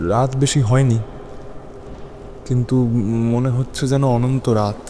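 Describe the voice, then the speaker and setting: An actor playing an anxious husband who narrates a horror audio drama in a brooding, dramatic way with halting phrases. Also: male voice, medium pitch, warm tone, a little hiss or hum, lightly acted. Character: anxious husband narrating his haunted stormy night.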